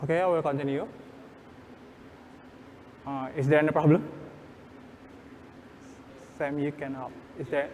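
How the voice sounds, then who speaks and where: Man, higher-pitched voice, workshop presenter, halting non-native English, repeated phrases, reverberant hall. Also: steady tone, darkish tone. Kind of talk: live hands-on tutorial, step-by-step instructions. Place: workshop room at a conference. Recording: echoey hall, background room noise.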